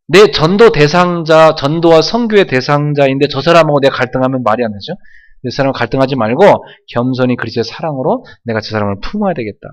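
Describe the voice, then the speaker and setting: A man preaching a sermon in a church, prompting the congregation to answer and repeat after him, dropping to quiet asides and then rising to loud exclamations. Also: mid-range voice. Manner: emphatic preaching with call-and-response prompts. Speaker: pastor. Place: church sanctuary.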